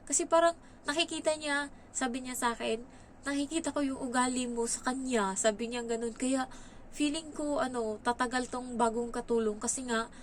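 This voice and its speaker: A woman from the Philippines chatting casually in a storytelling vlog, lively and animated as she quotes the people in her story. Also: sits high, normal speed, a little hiss or hum. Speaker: vlogger, domestic helper.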